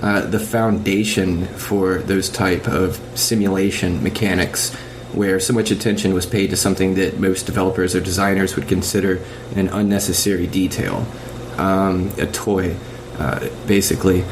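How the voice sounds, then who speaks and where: A man in a casual, analytical podcast discussion, explaining points about games in a measured, thoughtful way on a dated amateur recording. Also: low-pitched, little pitch movement, background noise.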